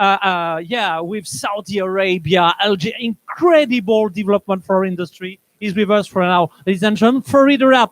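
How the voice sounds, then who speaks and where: Man, event host, very high voice, energetic, pushy, dry close sound. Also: no echo. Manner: energetic, rushing people along. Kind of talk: live event emcee. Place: event stage.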